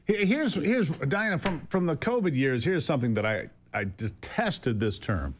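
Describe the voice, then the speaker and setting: A man's voice: on the high side, big pitch swings, normal speed, a little hiss or hum. A man hosting an opinionated political interview, speaking emphatically with rhetorical questions and repeated phrases for stress. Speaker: talk show host.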